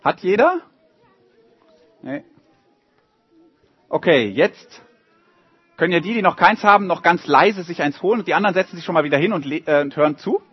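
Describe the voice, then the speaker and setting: A man reading a story aloud to a group of children and drawing pictures along with it, in a lively, animated way. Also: high voice, moderate pace, pauses often, breathy edge, no echo, dull audio.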